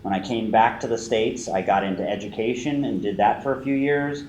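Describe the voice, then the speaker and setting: A man's voice: on the low side, steady tone, brisk, a little mellow. A man from the Bay Area co-presenting a talk, explaining steadily and plainly. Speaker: co-presenter, video producer. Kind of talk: prepared presentation. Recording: echoey room, faint noise.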